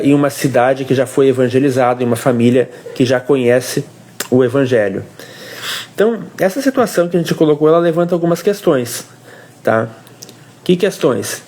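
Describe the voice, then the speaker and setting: A man's voice: medium pitch, darkish tone. Man teaching a devotional. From Brazil. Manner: explanatory, pauses and restarts, asks "tá?". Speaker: co-host of a family devotional livestream. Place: home livestream.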